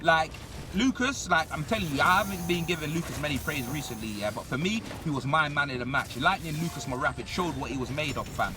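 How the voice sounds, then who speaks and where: A young man, giving a comedic, slang-heavy rant as a football fan in an animated, exasperated manner. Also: a little high, brisk, recorded from a distance, noisy background.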